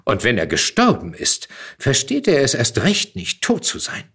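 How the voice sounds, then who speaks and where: A man acts out a proud old poet from beyond the grave in a storybook reading. He lectures emphatically and declaims, his pitch raised and swinging widely with each insistent point. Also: wildly swooping pitch, normal speed, a bit bright, slightly rough, full character voice. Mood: lecturing, reflective. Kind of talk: dramatic literary reading.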